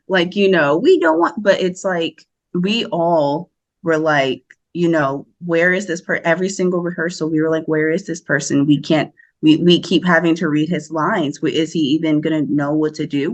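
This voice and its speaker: A woman's voice: deep voice, normal speed. Chatty young woman, laughing often. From United States. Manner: animated, laughs often, many fillers. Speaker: podcast guest, actor. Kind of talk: casual interview chat.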